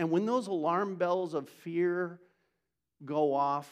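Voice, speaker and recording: The speaker is a man. His pace is very slow. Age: 60s. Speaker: pastor. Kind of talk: sermon. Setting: church. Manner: animated.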